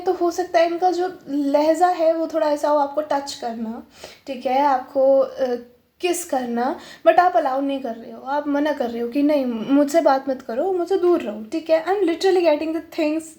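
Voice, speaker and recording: A woman's voice: high voice, measured pace, warm tone. A woman giving a pick-a-pile tarot reading. She switches between Hindi and English and keeps adding "ठीक है". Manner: mixes Hindi and English, often adds "ठीक है". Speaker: tarot reader. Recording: roomy echo.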